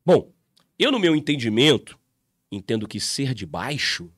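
A man giving a casual commentary monologue to his viewers, telling a story in an animated way and talking to them directly. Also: mid-range voice, measured pace, slightly rough, dry recording, clean studio sound. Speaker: YouTube commentator.

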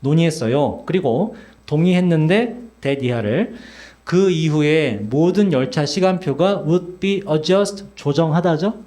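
Lively, chatty male English teacher. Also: a little high, takes it slowly. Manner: chatty, teasing, addresses students directly. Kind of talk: classroom lecture.

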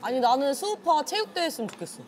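A woman's voice: sits high, big pitch swings, racing, crowd noise. A woman in her thirties bantering casually in a group. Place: TV studio panel table. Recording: other voices chattering around.

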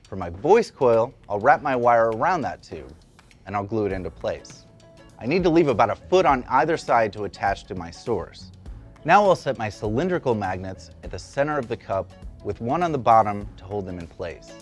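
A man in his thirties presents a scripted tutorial with a lively, varied pitch. He teaches emphatically, as if demonstrating each step, on a lapel mic with music behind him. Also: moderate pace. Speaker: educational presenter and instructor. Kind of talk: scripted explainer lesson. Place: indoor studio at a demonstration table.

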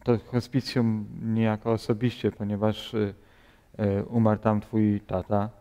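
Male interview host, gravelly, hesitant questioner, reverberant studio. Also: fairly low pitch, level tone, unhurried, dark tone. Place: bright TV studio, seated in armchair.

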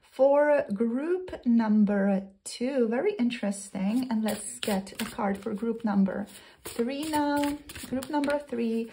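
A woman's voice: on the high side, a little mellow. A young adult woman, a tarot reader who chats her way through a pick-a-card reading and thinks aloud as she searches for words. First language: Slovenian.

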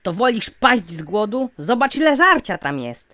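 A woman's voice: fairly high pitch, big pitch swings, moderate pace, a bit bright, no room sound, clean studio sound. A woman playing a hungry young fairy-tale boy in a cartoon, eager and argumentative. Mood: eager, defensive.

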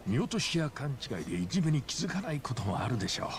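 A man's voice: mid-range voice, very animated, slight background noise, natural voice. An actor playing a very old, courteous and grave school chairman in a video game drama, speaking formally and with measure. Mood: grave, guarded. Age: older. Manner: formal, polite, measured old man's delivery. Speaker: school board chairman, client. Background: background music.

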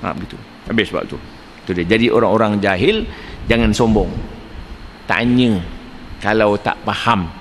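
An older man with a Malaysian Malay accent preaches a lecture, telling stories with an animated rise and fall in his voice. He acts out the dialogue as he goes. The sound carries a long hall reverb with a faint hum of ambience underneath. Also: on the low side, moderate pace, pauses often. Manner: lively storytelling, acts out dialogue, chuckles at own jokes. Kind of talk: religious lecture with anecdotes.

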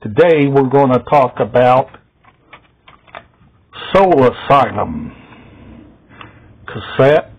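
A middle-aged man hosting a casual show-and-tell vlog at home, talking haltingly in short phrases with long gaps. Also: mid-range voice, lively intonation, lo-fi sound. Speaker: video host showing a music collection. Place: small indoor room at home.

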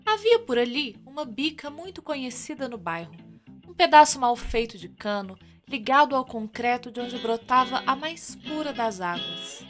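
A woman's voice: fairly high pitch, animated, normal speed. A Brazilian woman narrating a scripted radio drama as a theatrical storyteller. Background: music with guitar.

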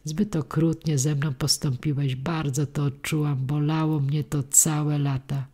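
A woman's voice: low voice, little pitch movement, unhurried, mellow, husky. A woman reading the part of a reserved, wounded middle-aged woman who speaks in a restrained, firm way, in an audiobook.

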